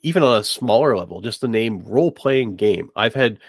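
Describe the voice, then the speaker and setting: A man hosting a podcast in casual interview chat, halting and repeating words as he puts his questions together. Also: medium pitch, lively intonation, no room sound, clean studio sound.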